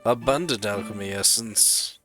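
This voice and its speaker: A man's voice: lowish voice, measured pace, over music. A man giving casual, playful commentary as he hosts a gaming video.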